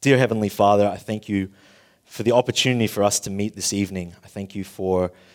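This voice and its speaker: In a very clean recording with a silent background, a man with an Australian accent talks at a fairly quick pace in a fairly low pitch. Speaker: preacher. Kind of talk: sermon. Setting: church. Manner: informal, friendly, humorous.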